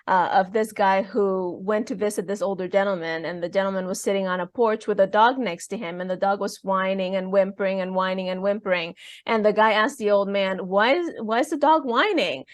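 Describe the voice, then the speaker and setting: A woman hosting a podcast interview, upbeat and brisk, often checking in with "right?". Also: mid-range voice, dry recording. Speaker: podcast host. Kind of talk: conversational interview.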